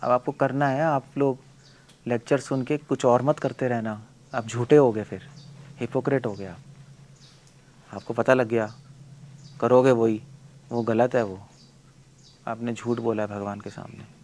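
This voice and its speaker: Male monk preacher, lecture voice, blunt and forceful, asks the audience question after question. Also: medium pitch, steady tone, a little slow, long pauses. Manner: forceful, blunt, rhetorical questions, mixing in English.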